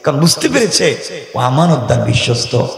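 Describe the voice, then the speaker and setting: A male preacher, giving a loud rhetorical sermon into a microphone and prompting the crowd to respond. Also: medium pitch, big pitch swings, normal speed, vocal fry. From Bangladesh. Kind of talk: sermon at a religious gathering. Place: large religious gathering. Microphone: microphone over PA. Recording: echoey hall, long reverb, PA.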